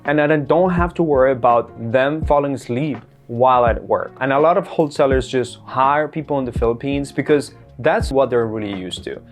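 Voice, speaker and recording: Earnest Colombian-born man making his case. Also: mid-range voice. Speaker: business owner. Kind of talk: direct-to-camera business talk. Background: faint guitar music.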